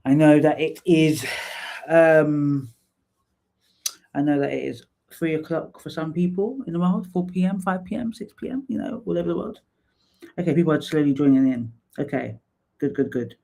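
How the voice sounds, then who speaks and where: A woman, hosting a live stream in a casual, chatty way, full of fillers and restarts and quick to laugh. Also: low voice, gravelly, mellow. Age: 30s. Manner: chatty, laughs easily, lots of fillers and repeats. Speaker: livestream host and psychotherapist. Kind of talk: casual livestream chat.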